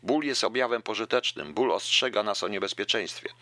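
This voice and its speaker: A man's voice: lowish voice, brisk, pushed and bright, no echo. A man doing an upset pious woman. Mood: pleading. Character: frightened pious young woman, pleading.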